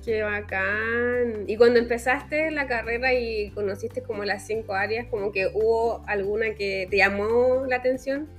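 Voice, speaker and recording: A woman's voice: fairly high pitch, a little slow, few pauses, faint music behind. A woman with a Chilean accent hosting a podcast, interviewing her guest in a casual, conversational way.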